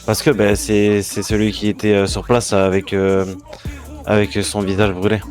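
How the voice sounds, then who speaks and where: Low-voiced, hesitant man rambling in game roleplay. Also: flat delivery, normal speed, a little mellow, faint music behind. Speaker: online roleplay player. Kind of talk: improvised spoken report in game roleplay.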